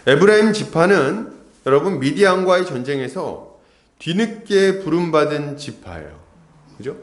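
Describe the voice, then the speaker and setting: Man, pastor, preaching a sermon, fairly high voice, asks the listeners questions, echoey church hall. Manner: asks the congregation questions, acts out quotes. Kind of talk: expository sermon. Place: church sanctuary.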